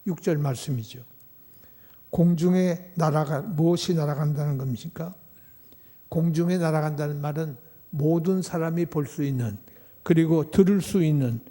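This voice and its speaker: Male pastor, sermon, rhetorical questions, slightly high mellow voice, long reverb. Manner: preaching with rhetorical questions to the congregation. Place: church sanctuary.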